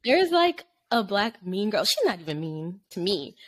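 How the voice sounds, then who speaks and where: Laughing woman podcast host, lively pitch. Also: normal speed. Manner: laughs often, warmly agreeable. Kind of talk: casual podcast chat.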